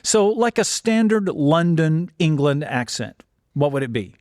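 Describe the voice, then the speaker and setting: A middle-aged man hosting a podcast, chatting casually and eagerly with quick short affirmations. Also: fairly high pitch, sing-song, a little mellow, dry recording, studio quality. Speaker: podcast host. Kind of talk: casual interview chat.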